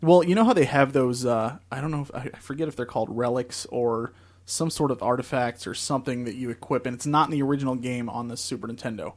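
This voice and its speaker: In a casual video game conversation, this young podcast co-host rambles through long, relaxed stories. He speaks quickly in a mid-range voice.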